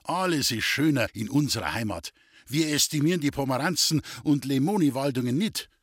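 A man's voice: mid-range voice, animated, brisk, slightly rough, no room sound, studio quality. A male narrator playing a hearty, blunt Bavarian soldier with a Bavarian accent.

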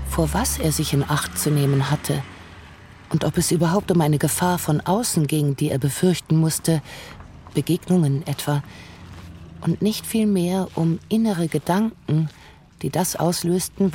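A narrator reads literary prose in a flowing, even way, with a dark, mellow tone. Faint noise sits in the background. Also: mid-range voice, unhurried.

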